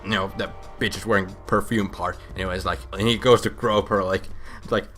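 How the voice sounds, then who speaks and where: A man's voice: sits low, steady tone, brisk, fairly bright tone, soft background music. A man casually and comically retelling a story in a drunk, rambling, crude way, repeating himself and trailing off. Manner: crude, heavy swearing. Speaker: storyteller recapping a video game plot.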